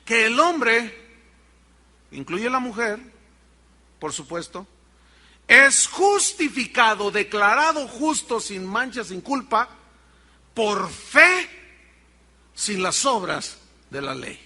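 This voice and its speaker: Preacher with a bright, ringing voice. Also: male voice, extremely high pitch, big pitch swings, slow pace, pauses often. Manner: preaching with rhetorical questions to the congregation. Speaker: pastor. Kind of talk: sermon. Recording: long reverb of a large hall.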